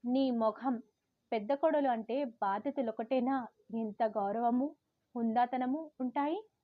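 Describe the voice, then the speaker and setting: A woman's voice: on the high side, measured pace, dry recording, narrow, tinny audio, natural voice. A woman voicing a strict but caring middle-aged mother who chides her eldest daughter. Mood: teasing. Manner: chiding, then soothing.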